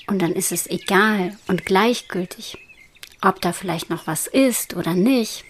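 A woman guiding a hypnosis meditation in a soft, slow whisper. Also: medium pitch, a little hiss or hum. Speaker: hypnosis guide.

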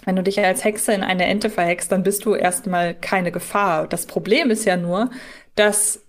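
A woman's voice: mid-range voice, steady tone, moderate pace. A woman co-hosting a podcast, chatting analytically in a questioning, reflective way. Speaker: podcast co-host. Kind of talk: analytical casual podcast chat.

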